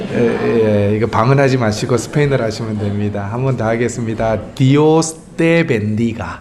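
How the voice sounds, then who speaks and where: A man speaks with hardly any pauses, noticeable background noise behind him. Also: medium pitch for a man, ordinary pitch variation, moderate pace. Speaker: missionary. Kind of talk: sermon. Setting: church.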